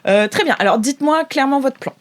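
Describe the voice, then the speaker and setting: A woman's voice: high voice, animated, fast. A woman improvising narration as game master of a tabletop role-playing game.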